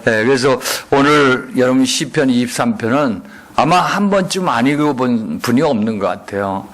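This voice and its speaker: 예배당에서 설교하는 중년 남성 목사로, 회중에게 수시로 질문을 던지고 응답을 유도한다. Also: male voice, mid-range voice, animated, normal speed. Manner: call-and-response, frequent rhetorical questions. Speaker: guest pastor. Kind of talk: sermon. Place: church sanctuary.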